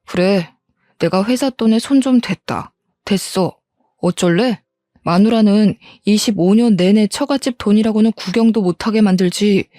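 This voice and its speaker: A woman's voice: medium pitch, normal speed, dark tone, no room sound, studio quality, natural voice. A woman voicing a self-pitying, resentful husband. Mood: defiant. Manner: pleading then defiant, self-pitying. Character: bitter resentful middle-aged husband. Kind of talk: audio drama dialogue.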